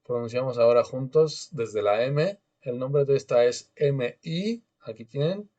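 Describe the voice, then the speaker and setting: A man's voice: medium pitch, unhurried, mellow, muffled recording. Patient male language teacher on a call. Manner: patient, drills pronunciation and has students repeat. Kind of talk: online beginner class. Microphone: video call.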